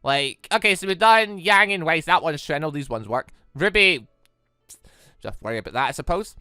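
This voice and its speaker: A gaming YouTuber giving casual, rambling, expressive let's play commentary on a visual novel, speaking emphatically. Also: mid-range voice, moderate pace, clean tone, no room sound, clean studio sound. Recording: game music playing behind voice. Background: visual novel game music.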